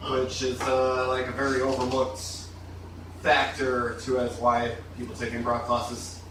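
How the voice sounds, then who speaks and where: A man's voice: mid-range voice, monotone, measured pace. A man guest in a casual podcast chat, explaining things earnestly. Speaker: podcast guest, improv performer. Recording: echoey room, distant mic, noisy.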